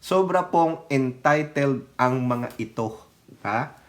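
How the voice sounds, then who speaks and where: A man's voice: medium pitch, lively intonation, takes it slowly. A man giving casual political commentary as a vlogger, sarcastic and mocking, laughing often and speaking straight to his viewers. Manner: addresses viewers directly as countrymen.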